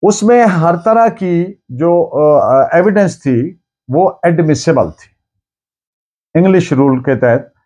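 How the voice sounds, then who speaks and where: A man with a Pakistani accent giving an explanatory law lecture, deliberate and restating key points in other words. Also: on the high side, animated, warm tone. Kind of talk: explanatory lecture with dictated case citations.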